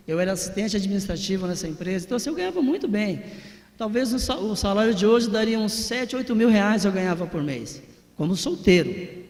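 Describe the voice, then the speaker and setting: A man's voice: high voice, long reverb tail. A Brazilian man, preaching a sermon and telling his own story in a conversational way, talking straight to the congregation. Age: 40s. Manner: conversational, addresses the congregation directly, tag questions. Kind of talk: sermon with personal testimony.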